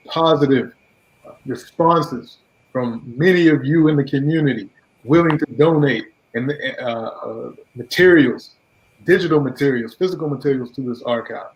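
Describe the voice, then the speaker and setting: A man, the program's director, giving a measured graduation speech with frequent fillers and restarts. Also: medium pitch. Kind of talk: ceremony speech. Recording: dull lo-fi sound.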